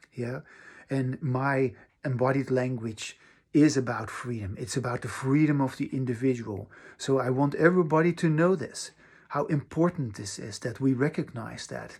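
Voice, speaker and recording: In a very clean recording with a silent background, a man speaks at a moderate pace in a somewhat breathy voice of medium pitch and ordinary pitch variation. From Netherlands. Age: 60s. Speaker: singer and video blogger. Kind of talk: casual monologue to camera. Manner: animated.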